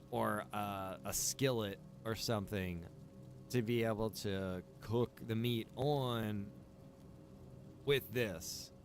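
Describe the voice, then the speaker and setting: A man livestreaming a survival roleplay game, chatting casually and informally as he thinks out loud. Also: fairly low pitch, a little hiss or hum. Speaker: game livestreamer and server developer.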